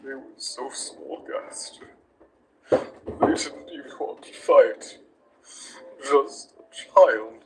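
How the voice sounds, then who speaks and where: A man playing a weary, grave but gentle monster king in a fan comic dub, hushed and mournful. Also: medium pitch, extremely slow, long pauses, slight background noise, poor audio. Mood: grieving, resigned.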